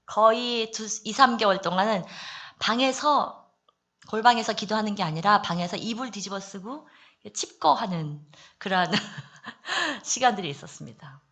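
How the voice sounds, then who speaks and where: A woman with a bright, forward tone, speaking at a middle pitch as she gives a heartfelt testimony at a prayer meeting. Her delivery is earnest and confiding, full of little fillers and phrases that trail off softly. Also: lively intonation, moderate pace. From Daegu, South Korea. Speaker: church member giving testimony.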